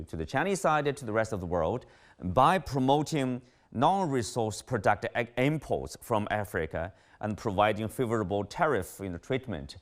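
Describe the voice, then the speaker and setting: A man hosting an interview, framing long questions with many fillers. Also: lowish voice. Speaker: interview host.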